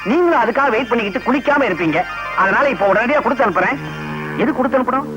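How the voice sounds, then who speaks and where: High-voiced flashy london-returned show-off, bouncy lively talk, dull old film sound w/ music. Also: male voice, fast. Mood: smooth boastful. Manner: showy, chatty, sprinkles English phrases. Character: swaggering man posing as a London-returned gent. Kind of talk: 1990s film acting.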